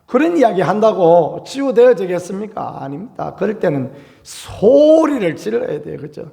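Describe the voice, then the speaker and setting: A man's voice: sits high, sing-song, moderate pace, gravelly, mellow. A male pastor preaching an early-morning sermon in an earnest way, rising into emphatic calls. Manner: acts out quoted cries with raised voice.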